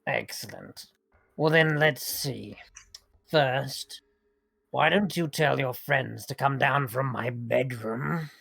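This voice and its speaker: Guy doing a creaky old hag villainess for a tabletop game, slow theatrical menace, condescending, super dry recording. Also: mid-range voice, a bit bright, no room sound, exaggerated voice. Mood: oily, bargaining. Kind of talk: tabletop role-play.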